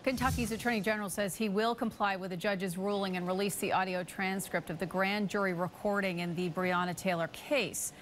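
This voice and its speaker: Woman as morning news anchor, average-pitched voice, reading prepared copy. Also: steady tone, brisk, few pauses, a little hiss or hum.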